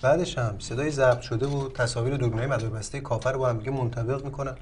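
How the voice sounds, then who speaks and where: An actor as a self-assured man in a film drama, laying out a plan in a mid-pitched voice. He speaks persuasively and instructively. Faint background noise runs under him. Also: steady tone, darkish tone, lightly acted. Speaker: man advising on a legal plan. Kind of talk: Iranian film drama acting.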